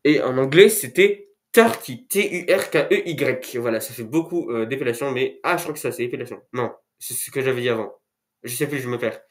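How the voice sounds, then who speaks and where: A man's voice: medium pitch, a little fast. Rambling joking French-speaking man with a cold. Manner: rambling, joking, self-mocking asides. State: has a cold, sniffly. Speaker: YouTuber. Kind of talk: casual talking-head video. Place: indoors at home, to camera. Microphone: camera mic.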